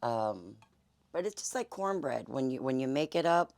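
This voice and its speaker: Hoarse Southern woman chatting while cooking. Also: rumbling low, animated, moderate pace, a little mellow, slight background noise. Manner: chatty, folksy, many fillers. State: hoarse, losing her voice. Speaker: cooking channel host. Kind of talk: casual cooking demonstration. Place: home kitchen.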